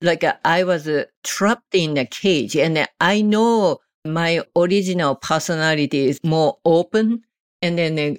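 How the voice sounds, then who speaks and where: With a Japanese accent, a woman speaks at a fairly low pitch and a fairly slow pace with ordinary pitch variation, in a very clean recording that sounds dry and close, with no echo and a silent background. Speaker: author. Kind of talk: casual interview. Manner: halting.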